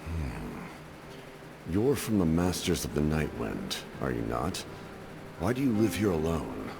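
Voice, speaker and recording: An actor voicing an imposing military leader in a video game, speaking in a formal, terse and measured way. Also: male voice, extremely low pitch, sing-song, creaky, background noise, exaggerated voice. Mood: stern, aloof. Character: imposing, curt male leader of an elite army. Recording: music behind the voice.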